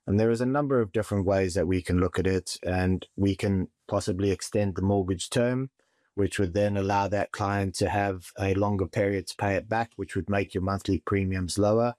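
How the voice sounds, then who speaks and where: Very deep-voiced man advising. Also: steady tone, darkish tone, dry recording, studio quality. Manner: measured, stumbles and repeats words. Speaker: mortgage and property advisor. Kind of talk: conversational interview answers.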